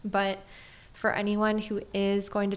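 A woman speaks in a soft-spoken way. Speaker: breathwork facilitator. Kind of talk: guided breathwork, calm instructional counting; casual interview chat. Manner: soft, slow, soothing, measured. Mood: calm, soothing, gentle. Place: home room. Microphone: studio mic.

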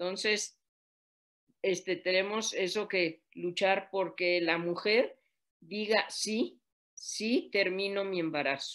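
Speaking very slowly, a woman keeps a medium pitch with ordinary pitch variation. Her loudness stays very even. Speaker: pro-life shelter director. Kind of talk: audience comment.

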